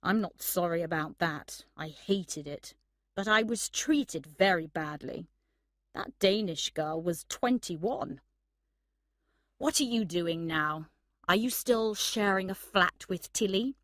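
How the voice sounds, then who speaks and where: A woman's voice: fairly low pitch, takes it slowly, fairly bright tone, dry recording, clean studio sound. A woman reading a letter from a slightly drunk young man, rambling and earnest.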